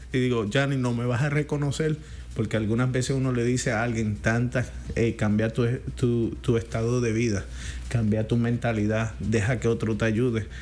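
A man with a Puerto Rican accent, a pastor, telling lively stories in a casual faith talk and acting out quoted lines. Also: mid-range voice.

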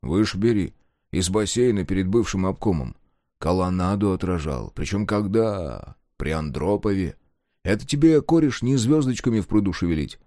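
A man voicing a boastful male mirror reflection who lectures in a low, dry, lively voice. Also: moderate pace, dry recording. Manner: swaggering, lecturing. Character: boastful male city reflection, self-important old-timer.

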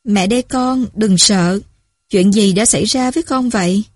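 A woman voicing a mother woken at night who speaks softly and soothingly to her daughter on the phone. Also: mid-range voice, normal speed, slightly rough, dry recording, clean studio sound, close to an everyday voice. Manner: soft and soothing. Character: worried mother woken at night, gentle then frantic.

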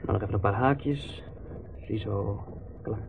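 An actor playing a talkative, good-natured, dreamy young drifter in a radio play, wry and rambling. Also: male voice, lowish voice, measured pace, gravelly. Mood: soothing, chatty. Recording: muffled, noisy old radio play recording.

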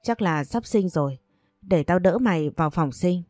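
A woman's voice: fairly low pitch, expressive, darkish tone, no room sound, studio quality, lightly acted. A woman voicing a fretful young girlfriend. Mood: alarmed. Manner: hurried, worried. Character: anxious young woman friend, fussy and protective.

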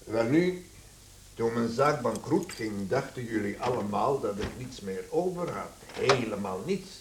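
A man acting a middle-aged, authoritative father in a radio play, speaking deliberately and formally. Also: medium pitch, a little mellow, slight background noise, lightly acted. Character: authoritative bankrupt father, measured head of household.

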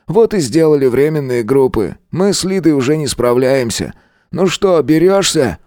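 Weary wartime teacher, earnest and brisk, played by a male reader; voice a bit raised. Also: on the high side, expressive, darkish tone, no echo, clean studio sound, voice pushed up, lightly acted.

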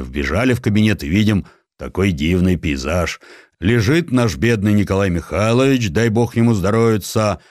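A man's voice: lowish voice, darkish tone, no echo, studio quality, lightly acted. A man voicing a simple, gossipy doorman who tells his tale in a folksy, colloquial way for a radio play. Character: folksy male doorman, gossipy simple servant telling tales.

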